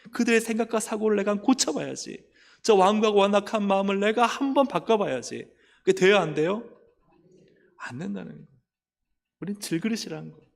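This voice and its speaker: A male pastor preaching a lively sermon, putting questions to the congregation. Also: sits high, creaky. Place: church sanctuary. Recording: long church hall reverb.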